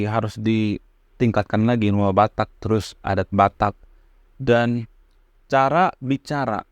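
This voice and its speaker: A man's voice: mid-range voice, darkish tone, dry recording. A man giving casual, earnest spoken commentary to his viewers, repeating his points with frequent fillers. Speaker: channel host giving commentary.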